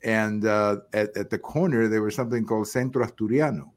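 An older man born in Cuba hosting a casual interview, speaking haltingly with many restarts and repeated words. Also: lowish voice, steady tone, a little hiss or hum. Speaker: host.

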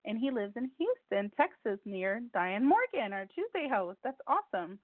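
A woman's voice: mid-range voice, big pitch swings, moderate pace, dry recording. A woman whose first language is Spanish hosts a call-in radio show in a chatty way, repeating details and stumbling over her words. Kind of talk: casual call-in radio hosting. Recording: tinny phone line, dry.

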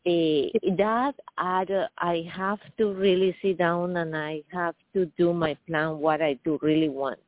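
A woman in her fifties calling in, talking haltingly with many fillers. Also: lowish voice, fairly even intonation, no echo. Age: 50s. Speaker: caller. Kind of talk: phone-in call. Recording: tinny phone line.

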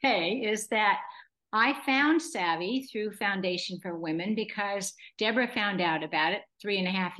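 A woman's voice: medium pitch, a bit bright, poor audio. A woman in her eighties from Southern California, a gracious, enthusiastic guest chatting in an interview and laughing easily. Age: 80s. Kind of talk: casual interview chat.

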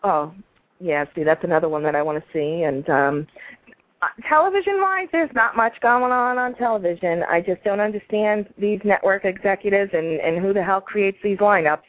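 A woman's voice: mid-range voice, expressive, moderate pace, no room sound. A woman chatting casually and bluntly as a phone-in co-host. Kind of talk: casual chat. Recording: dry tinny phone line.

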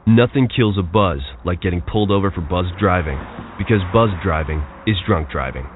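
A man narrating a radio ad in a calm storytelling way. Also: low-pitched, brisk. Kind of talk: scripted radio ad. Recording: tinny line with music behind.

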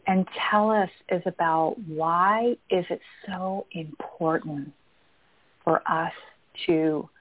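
A woman's voice: fairly low pitch, steady tone, slow. A woman hosting a radio interview show, asking her guest questions in an appreciative way. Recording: phone-line audio.

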